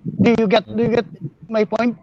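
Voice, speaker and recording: A man's voice: high voice, little pitch movement, normal speed, warm tone, no echo, muffled recording. A man co-hosting a casual talk show, mixing English phrases into his speech and often asking "di ba". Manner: mixes English into talk, repeats "di ba". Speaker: podcast co-host. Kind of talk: casual chat.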